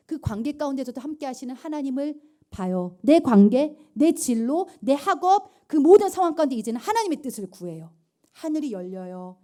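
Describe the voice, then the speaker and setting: A woman pastor giving a sermon to teenagers, asking many questions and swinging between loud and hushed lines. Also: fairly high pitch. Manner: lively preaching with sudden loud and hushed lines; asks the listeners many questions. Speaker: youth pastor.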